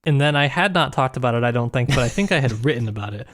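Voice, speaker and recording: Guy cohosting a book podcast, medium pitch voice, kinda halting, figures out his point as he talks. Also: lively intonation, fairly bright tone. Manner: halting, searching for words mid-thought. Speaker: podcast co-host. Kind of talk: casual literary discussion.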